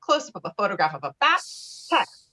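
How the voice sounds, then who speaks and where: A woman's voice: mid-range voice, very animated, brisk, bright, forceful tone. A woman reading screenplay directions aloud at a table read in clipped, descriptive phrases. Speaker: stage directions reader.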